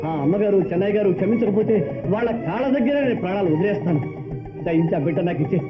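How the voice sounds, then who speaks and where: An actor playing a frightened, guilty worker who pleads and begs for forgiveness. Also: male voice, high-pitched, racing, close to an everyday voice. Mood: pleading. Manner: pleading, fearful. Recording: tinny lo-fi film soundtrack with music.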